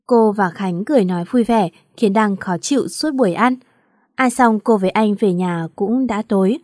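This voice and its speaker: A woman reading a story aloud in a steady, plain narration. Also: mid-range voice, normal speed, dry recording, studio quality. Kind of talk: scripted narration.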